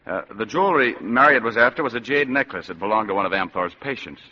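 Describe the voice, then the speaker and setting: A man's voice: on the low side, lively intonation, fast talker. An actor playing a hard-boiled male private eye with dry wisecracks and tough slang, in 1940s radio acting. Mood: wry. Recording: dull lo-fi old radio broadcast.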